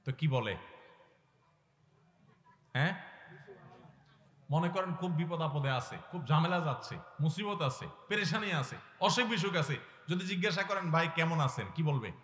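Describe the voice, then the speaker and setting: A man delivers an impassioned sermon into a public address microphone, his voice fairly high and bright with a forceful edge. He keeps asking the crowd rhetorical questions and swings from soft pleading to loud exhortation. The sound is roomy, with a long reverb trailing each phrase. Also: unhurried, pauses often. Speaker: preacher. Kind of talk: Islamic sermon to a gathering. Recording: echoey long reverb through loudspeakers.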